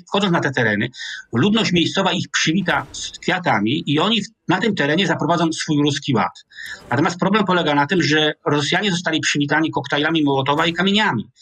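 A man in his sixties with a Polish accent, a military analyst explaining at a measured pace over a video call from a small home office. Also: a little high, fairly bright tone, breathy edge, dry recording. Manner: measured, explanatory, restarts mid-word. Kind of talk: analytical interview commentary. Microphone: video call webcam.

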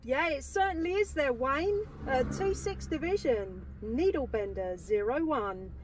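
Enthusiastic female CB operator, high-pitched voice, chatty call-sign exchanges, slight noise. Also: animated, a little slow. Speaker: amateur CB radio operator. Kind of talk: radio contact chat with call signs. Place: inside a parked car.

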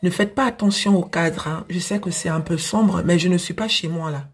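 A young adult woman with an African French accent and a husky voice, giving frank, emphatic advice straight to the camera like a big sister. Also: lowish voice, moderate pace. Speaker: social media advice creator. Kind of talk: direct-to-camera advice talk. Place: small dim indoor room. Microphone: phone at arm's length.

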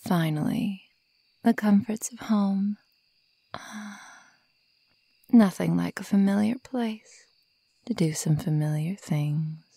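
A woman voicing a sadistic, predatory werewolf girl who taunts her prey in a breathy whisper, in an ASMR roleplay. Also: mid-range voice, dark tone, no echo, heavily acted. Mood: smug, daring. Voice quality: breathy, mostly whispered, creaky. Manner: slow, taunting, menacing.

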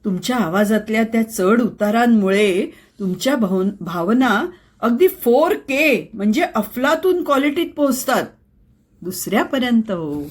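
A woman's voice: medium pitch, slightly rough. A woman presenting an explainer in a conversational, theatrical way, emphatic and full of rhetorical questions. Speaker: host and presenter. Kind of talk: conversational scripted explainer on voice skills.

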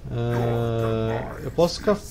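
A man's voice: mid-range voice, takes it slowly, warm tone, faint music behind. A man in his thirties with a Brazilian accent, commenting casually on a strategy game in informal, slangy speech. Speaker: gameplay streamer. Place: small room indoors. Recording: clear background noise. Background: game sounds and ambience.

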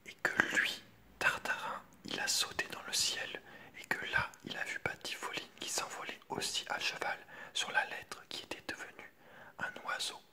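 A man reads a children's picture book aloud in a hushed, unvoiced library whisper, ASMR style, adding informal asides to viewers. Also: moderate pace.

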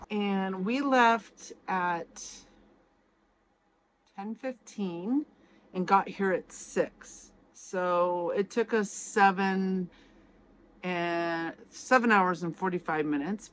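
A woman's voice: mid-range voice, a little hiss or hum. A woman in her forties, a travel vlogger, chatting casually to a phone held at arm's length outdoors and inside her RV. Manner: chatty, easygoing, talks to her dogs. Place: outdoors in a parking lot, then inside an RV. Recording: background music under the voice.

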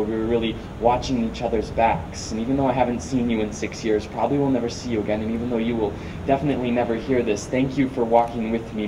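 A teenage boy performing rhythmic, wordplay-heavy spoken word poetry at a podium during a large outdoor rally. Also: mid-range voice. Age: teens. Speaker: student performer. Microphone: podium mic, picked up from a distance. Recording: distant mic, noisy outdoor sound.

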